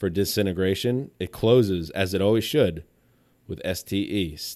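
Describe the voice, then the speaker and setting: This man has an unremarkable speaking voice, fairly low in pitch with ordinary variation. He speaks fairly slowly in a very clean recording with a silent background. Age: 30s. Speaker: podcast host. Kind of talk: casual chat. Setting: home garage studio.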